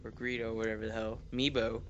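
A man's voice: on the low side, level tone, fast, dull audio. A young man giving casual gaming commentary, rambling through crude jokes and laughing often. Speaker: gameplay commentator. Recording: loud background noise.

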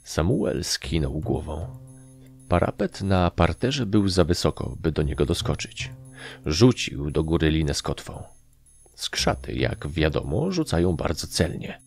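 A deep, gravelly-voiced Polish man reads a first-person tale with a lively, swinging delivery. Soft music plays quietly behind him. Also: a little slow, no echo. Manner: animated, voicing characters with raised shouts. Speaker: audiobook narrator. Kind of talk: first-person audiobook narration.

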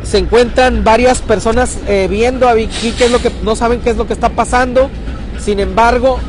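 A man reporting live from a riverbank, urgent and talking fast, sometimes calling out loudly across the water. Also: very high voice, steady tone, background noise. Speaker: local news reporter. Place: outdoors at a riverbank.

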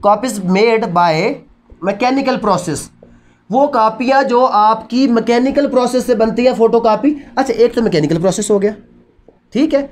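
A woman's voice: fairly high pitch, measured pace, a little mellow. A woman with a Pakistani accent teaching a law class, posing questions and answering them herself, switching between Urdu and English terms. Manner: didactic, asks rhetorical questions and answers them; mixes Urdu with English legal phrases. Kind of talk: classroom lecture.

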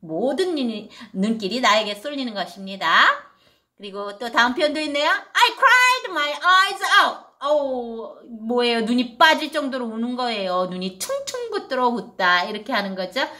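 Bright high-voiced woman teaching phrases. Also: expressive. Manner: reads English phrases slowly, explains warmly in Korean. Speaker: English teacher for parents. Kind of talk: casual English lesson.

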